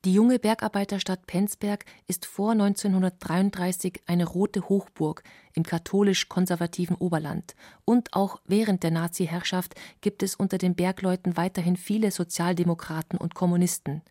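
A woman narrating a historical documentary in a measured, sober scripted voice. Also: on the low side, steady tone, warm tone, no echo, clean studio sound.

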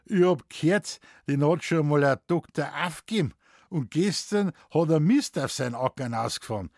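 A man voicing a sly, gruff old forest warden who speaks in broad Bavarian dialect, drawling and mischievous. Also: fairly high pitch, animated, moderate pace, darkish tone, no echo, studio quality.

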